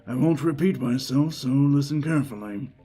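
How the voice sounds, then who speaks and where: Man acting out a raspy, stern instructor. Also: mid-range voice, normal speed, warm tone, faint music behind, lightly acted. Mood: stern, impatient. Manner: stern, formal lecturing. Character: stern raspy male instructor, commanding and impatient.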